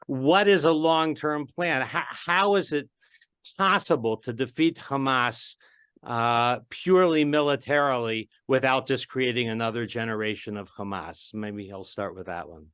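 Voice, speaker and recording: A man with an ordinary, mid-range voice hosts a question-and-answer session. He speaks earnestly and searchingly, pausing often and restarting his words as he works through his question. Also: mid-range voice, a bit bright, smooth. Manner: earnest and searching, with many hesitations. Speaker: host asking questions. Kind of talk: Q&A moderation.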